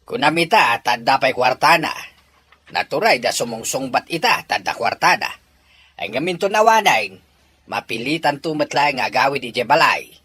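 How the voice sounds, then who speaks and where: An actor playing a gruff, domineering father in a radio drama, raspy, with a Filipino Ilocano accent. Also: mid-range voice, expressive, normal speed, sharp tone. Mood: scornful.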